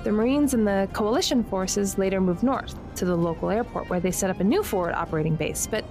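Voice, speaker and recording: A woman's voice: mid-range voice, fast, darkish tone, faint music behind, natural voice. A woman playing a shy, awkward doctor in an audio drama, stammering and unsure of herself as she talks. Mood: hesitant storytelling. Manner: hesitant, self-deprecating, stammering.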